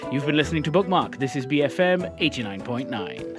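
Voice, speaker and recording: A man hosting a radio book show, smoothly announcing the outro. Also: medium pitch, sing-song, fast talker. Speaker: radio host. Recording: studio voice with music bed.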